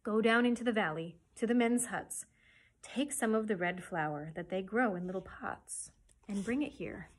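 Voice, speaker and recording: A woman voicing a wise, protective male black panther from a storybook, speaking gently and earnestly with emphasis. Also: mid-range voice, expressive, normal speed, slightly rough. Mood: eager, urging.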